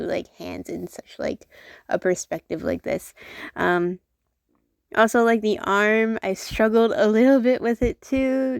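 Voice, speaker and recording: A woman's voice: medium pitch, creaky, a little mellow, no room sound, studio quality. A young woman chatting casually about her drawing, rambling with lots of fillers and self-corrections. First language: not Chinese-first; Chinese is her second language. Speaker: art vlogger. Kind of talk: casual chat while drawing.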